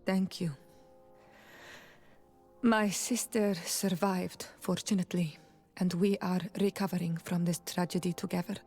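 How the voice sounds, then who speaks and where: A woman's voice: on the low side, steady tone, a little slow, long pauses, darkish tone, husky. An actress playing a proud, resolute young tribal princess in a video game, firm and earnest in her delivery. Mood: composed, earnest. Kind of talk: video game cutscene acting. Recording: background music under the voice.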